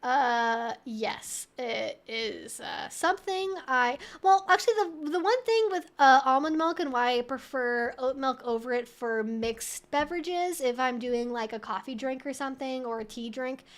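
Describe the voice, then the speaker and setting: A woman's voice: high-pitched, measured pace, hardly any pauses. A woman hosting a casual live Q&A, chatty and rambling as she thinks aloud while answering viewers. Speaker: livestream host answering viewer questions. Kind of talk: casual live Q&A chat, reading out viewer messages.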